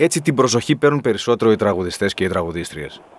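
His pitch is in the medium range. The man has an unremarkable speaking voice. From Athens, Greece. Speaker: radio host. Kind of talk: interview.

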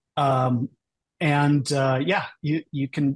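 The recording has a dry, close sound with no echo. A man with a fairly high pitch speaks with fairly even intonation. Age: 50s. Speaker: digital product strategist and amateur maker. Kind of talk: casual interview chat about tools. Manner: hesitant, many fillers and restarts.

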